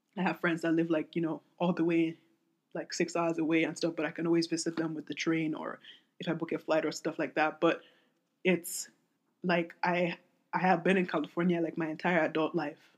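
Her voice fairly low and her intonation monotone and flat, a woman speaks at a fairly quick pace. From Nigeria. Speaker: podcast host. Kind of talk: casual solo monologue. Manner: rambling, many fillers and self-corrections; playful, expressive.

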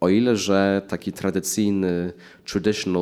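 Very clean, the recording has a silent background. A man speaks in it with fairly even intonation. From England. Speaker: radio journalist and voice-over artist. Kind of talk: casual interview.

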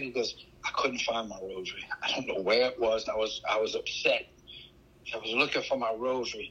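A man talks very fast in a Louisiana accent. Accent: Cajun Louisiana. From Louisiana bayou country. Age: 50s. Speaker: guest sharing paranormal experiences. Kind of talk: casual chat.

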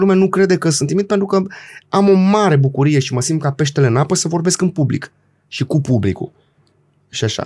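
A man is speaking. His pace is moderate. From Romania. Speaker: actor. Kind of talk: casual chat.

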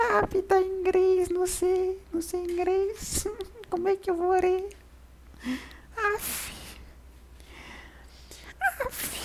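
In a put-on, whiny character voice of extremely high pitch, the speaker drags along very slowly with long, frequent pauses and flat, monotone intonation over clear background noise. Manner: whiny, mocking.

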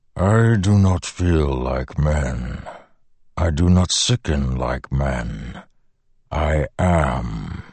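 Putting on a character voice, a man rumbles in a very deep, low pitch with a solemn tone at a very slow pace. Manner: solemn, weighty.

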